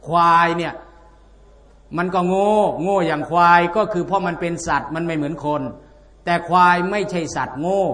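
A man's voice: a little high, a bit bright. A man giving a conversational religious sermon to a congregation, folksy, often asking the listeners rhetorical questions. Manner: chants scripture passages. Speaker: Islamic religious teacher.

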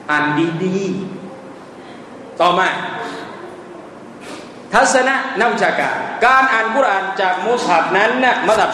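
A Muslim preacher giving casual religious instruction, often asking the audience rhetorical questions. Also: male voice, sits high, fairly bright tone. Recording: echoey hall with faint noise.

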